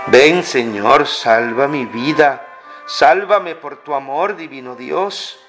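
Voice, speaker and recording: Man, slow devotional prayer, pleading and fervent, clear music underneath. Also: medium pitch. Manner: pleading, fervent, many pauses. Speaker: prayer leader.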